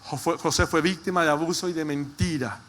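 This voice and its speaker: A man preaching a sermon as pastor, stressing points by repetition and slowing down to read scripture. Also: a little high, steady tone, a bit bright, a little hiss or hum.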